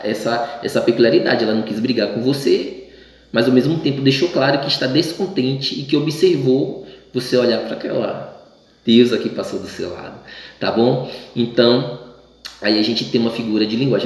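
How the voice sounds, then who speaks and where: Male teacher, conversational, mid-pitched, recorded in a strongly echoing room. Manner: chatty, acts out quoted voices, many restarts. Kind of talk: recorded class lesson. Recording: very echoey room.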